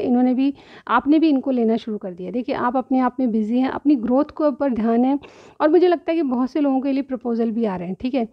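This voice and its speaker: Tarot reader: woman, high chatty voice, slightly sore throat, dull lo-fi sound. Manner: chatty, keeps asking "theek hai?". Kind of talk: direct-to-viewer tarot reading.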